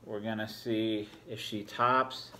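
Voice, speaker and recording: A man in his forties gives a relaxed, rambling beer review full of fillers, talking at a table in a home bar room. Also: on the low side, slow, a little hiss or hum. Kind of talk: casual beer review vlog. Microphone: fixed camera at a table.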